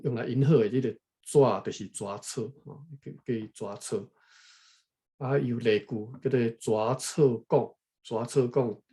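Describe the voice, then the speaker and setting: A man from Taiwan reading a history book aloud unscripted, thinking aloud, pausing to look up words and adding frequent tag particles. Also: medium pitch, darkish tone. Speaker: reader explaining a history book to viewers. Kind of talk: unscripted read-aloud with running commentary.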